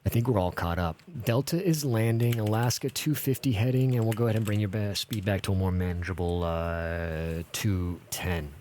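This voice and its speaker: With a fairly low, darkish voice at normal speed and few pauses, this man thinks aloud while playing an air traffic control simulator on stream. His casual commentary is full of radio jargon and the occasional swear word, over the clear sound of keyboard clicking and typing.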